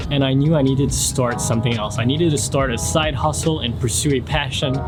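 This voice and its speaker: Young man from France hosting a casual fashion Q&A, relaxed and chatty, clear background music underneath. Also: mid-range voice. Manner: relaxed, reads questions aloud then answers at length. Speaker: fashion YouTuber. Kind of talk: casual Q&A vlog.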